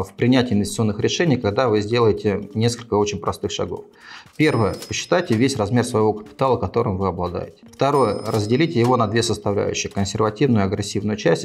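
A man's voice: on the low side, vocal fry, husky. A man in his forties hosting an investment channel, explaining to camera with frequent fillers, recorded on a lapel mic in a small indoor set. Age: 40s. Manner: fast, measured advisory delivery with frequent fillers. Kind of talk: talking-head explainer to camera. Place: small indoor studio set with desk and lamp.

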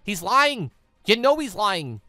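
A woman's voice: mid-range voice, very animated, slow, bright, forceful tone, no echo, faint music behind, voice pushed up, heavily acted. A woman voicing a fiery, scolding female character in a visual novel, urgent and exclamatory. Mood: angry.

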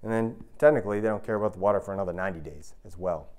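In a low-pitched, darkish voice and at a racing pace, this American researcher in his thirties delivers a public lecture to an audience indoors. His style is emphatic and explanatory, and he frequently checks that listeners are following.

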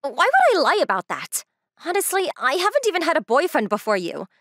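A woman's voice: high-pitched, wildly swooping pitch, fairly quick, a bit bright, no room sound, clean studio sound, heavily acted. A young woman playing a bossy, confident, secretly lovestruck girlfriend in a manga dub, speaking bluntly. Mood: defensive, bashful. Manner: blunt, assertive. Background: music.

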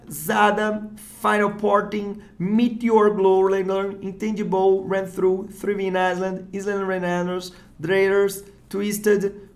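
A Brazilian-accented host chats casually through an unboxing. The delivery is drawn-out and unhurried overall, at a middling pitch, and breaks into excited swearing and repeated exclamations. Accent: Brazilian Portuguese. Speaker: card-opening channel host.

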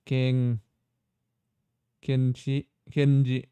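Guy streaming live, warm mellow voice, keeps stammering n repeating stuff, asks chat questions. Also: very slow, no echo. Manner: thinks aloud, stammers and repeats words; talks straight to viewers, asking them questions. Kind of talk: casual live-stream chat while playing.

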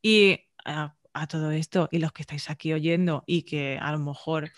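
A young woman with a Castilian Spanish accent hosting a podcast, chatting casually with lively interjections into a studio mic at home. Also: deep voice. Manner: chatty, warm interjections, quick restarts. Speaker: podcast host. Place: home room, video call. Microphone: large studio mic on boom arm.

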